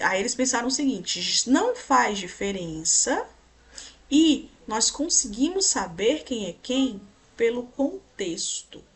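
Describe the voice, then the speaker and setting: A woman's voice: a little high, breathy edge. A woman teacher with a Brazilian Portuguese accent, giving a grammar lesson in an explanatory way and pointing things out on slides while checking in with her students.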